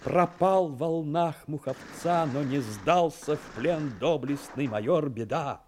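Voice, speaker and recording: A man's voice: fairly high pitch, unhurried, a little mellow, slight background noise. A man narrating a war story solemnly, in the dramatic literary style of a radio play.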